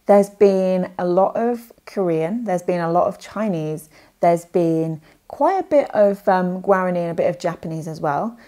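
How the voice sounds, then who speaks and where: Chatty rambling woman, low voice. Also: warm tone. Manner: chatty and rambling, many fillers and self-corrections. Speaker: language learning vlogger. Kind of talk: casual talking-head vlog.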